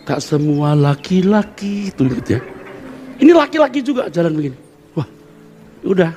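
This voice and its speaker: An older man preaching a sermon to a congregation, animated and joking as he acts out little quotes. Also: fairly high pitch, moderate pace, a little hiss or hum. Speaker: pastor. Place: church service.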